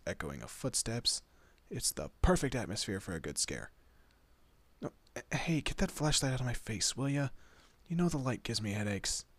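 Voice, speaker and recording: A man's voice: on the low side, dry recording. A man playing a teasing, protective monster detective in a horror roleplay audio, talking casually to his human partner. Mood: amused, teasing. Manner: casual, teasing, muttered asides. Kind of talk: horror roleplay audio drama, addressing the listener.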